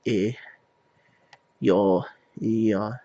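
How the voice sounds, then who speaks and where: An American man, a native English speaker, practicing a foreign language in a halting way, restarting and searching for words. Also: on the low side, fairly even intonation, dark tone, slight background noise. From United States. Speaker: language learner. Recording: slightly dull lo-fi recording.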